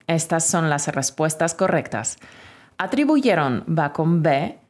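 Slow, lively-voiced woman teacher dictating. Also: low voice. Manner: clear, deliberate dictation. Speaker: Spanish teacher. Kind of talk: spelling dictation lesson.

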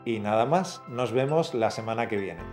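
Mellow-voiced man teaching a lesson. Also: fairly low pitch, animated, moderate pace, soft background music. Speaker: language teacher, co-host. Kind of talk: scripted language lesson.

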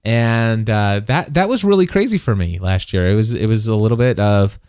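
A man's voice: on the low side, expressive, normal speed, a little mellow, clear, resonant tone, no echo, studio quality. An American man of forty-one chatting casually as a podcast co-host, with a bantering, self-deprecating manner. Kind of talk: casual chat.

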